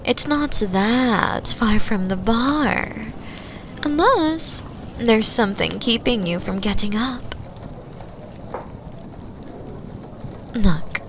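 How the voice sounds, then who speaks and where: A woman playing a flirtatious, confident mature bar patron in an intimate roleplay, teasing and breathy, often dropping toward a whisper. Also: mid-range voice, a bit bright, a little hiss or hum. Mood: teasing, coy. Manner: slow, sultry, breathy, drops into near-whispers. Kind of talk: binaural roleplay audio drama, intimate second-person acting.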